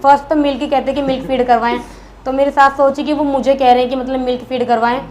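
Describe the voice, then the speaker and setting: A woman recounts a hospital stay in casual vlog talk, matter-of-fact and plain. Her voice sits a little high but barely rises or falls, with faint ambient noise behind her. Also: flat delivery, fast talker. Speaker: vlogger, wife. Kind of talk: casual storytelling chat.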